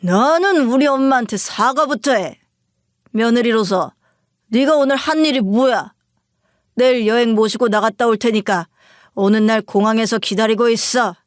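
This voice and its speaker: A woman's voice: a little high, normal speed, no echo, studio quality, close to an everyday voice. A woman voicing an arrogant, dismissive husband who talks down curtly and contemptuously. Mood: cold contempt. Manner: curt and contemptuous.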